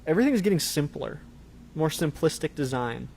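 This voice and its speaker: Man, casual co-host chat, rambling, fillers, a bit higher voice, faint background noise. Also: sing-song, brisk, vocal fry, a little mellow. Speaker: co-host of a live truck parts show.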